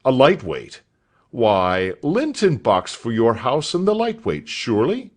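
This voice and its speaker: A man reading aloud voices a kindly, eager schoolmaster keen on boxing, with an animated, exclaiming delivery. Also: medium pitch, a little slow, voice pushed up.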